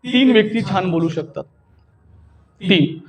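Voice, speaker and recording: High-voiced workshop trainer, man. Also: lively intonation, measured pace, lo-fi sound, crowd noise. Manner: emphatic, engages listeners with repeated questions. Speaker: workshop trainer, anchor and voice artist. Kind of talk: motivational stage-speaking workshop to students. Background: audience of students.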